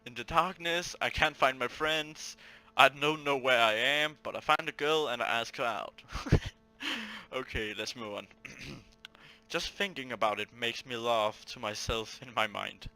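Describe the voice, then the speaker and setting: A man hosting a let's play, reading a visual novel aloud and breaking off into animated, jokey asides. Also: medium pitch, unhurried, creaky, rough recording.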